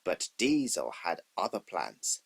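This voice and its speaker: A man's voice: sits low, huge pitch swings, takes it slowly, creaky, slightly rough. A man reading scripted narration for a children's train story as its storyteller.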